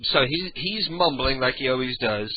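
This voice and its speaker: Raspy older man hosting radio. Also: lively intonation, normal speed, muffled recording. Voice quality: raspy, booming. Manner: rambling storyteller, frequent throat clearing. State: clogged ears and sinuses. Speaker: radio talk show host. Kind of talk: casual late-night radio talk, profane.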